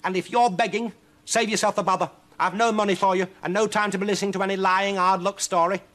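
A man voicing a miserable, snappish old witch in a storybook, with a shrill, plaintive snarl. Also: fairly even intonation, brisk, sharp tone. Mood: snarling, spiteful. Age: older.

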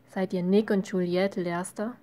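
A woman's voice: medium pitch, fairly even intonation, moderate pace, warm tone, lightly acted. A woman reading the lines of a sneering, threatening middle-aged gang leader. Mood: menacing.

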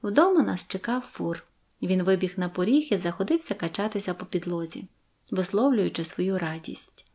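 A woman narrating a Christmas fairy tale in the first person, gentle and expressive. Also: on the low side, normal speed. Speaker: audiobook narrator. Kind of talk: storytelling narration.

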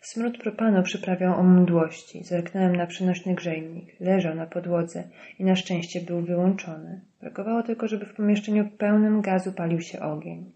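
Woman reading a novel aloud, calm and even, lowish pitch. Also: normal speed, hardly any pauses, muffled recording. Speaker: audiobook narrator. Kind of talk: scripted narration.

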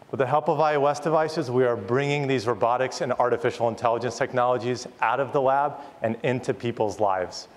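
A man in his thirties, a company founder, giving an enthusiastic, rehearsed keynote product presentation on a large conference stage. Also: medium pitch. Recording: long hall reverb, audience noise.

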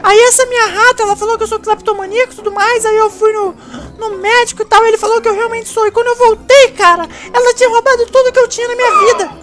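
Squeaky, whiny cartoon mouse. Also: fairly even intonation, quick pace. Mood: indignant. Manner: whiny, exasperated, slangy. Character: whiny, cheeky, thieving male cartoon mouse. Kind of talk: improvised Minecraft role-play.

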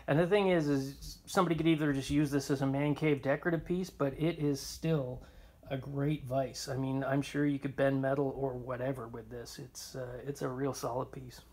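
Rambling man filming antique finds. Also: medium pitch. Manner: rambling, many ums and uhs. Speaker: antiques dealer showing finds. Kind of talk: casual walkthrough vlog. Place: indoor shop or barn, tiled floor. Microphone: handheld phone camera. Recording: noisy phone recording.

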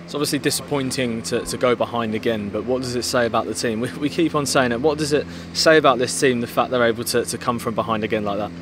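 A man interviewing a football coach outdoors on a pitch at night, asking brisk, friendly questions. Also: steady tone. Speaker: club media interviewer. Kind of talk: post-match interview questions. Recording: outdoor with clear background noise.

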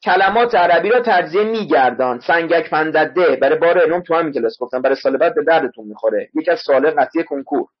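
Man teaching a literature class online, a bit husky, drills words and spellings over a muffled lo-fi mic. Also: fairly high pitch, few pauses. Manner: explains word by word, repeats spellings to students. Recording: dull lo-fi online class audio.

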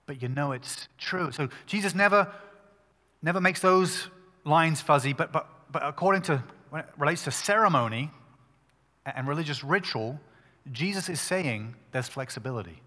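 Bright-voiced male pastor at a pulpit microphone. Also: fairly high pitch, animated, long reverb tail. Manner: conversational, emphatic preaching with quick restarts. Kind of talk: sermon.

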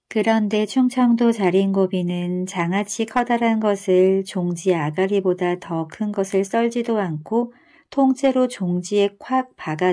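Mellow woman reading a bedtime folktale. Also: medium pitch. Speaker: storyteller. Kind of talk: bedtime storybook narration.

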